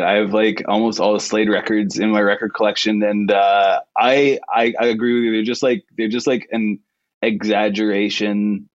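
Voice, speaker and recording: A man with a deep voice, a musician guest chatting easily about songs with many fillers and restarts. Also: no echo, dull audio. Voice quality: low, deep voice. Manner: easygoing, hesitant with many fillers. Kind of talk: casual interview chat.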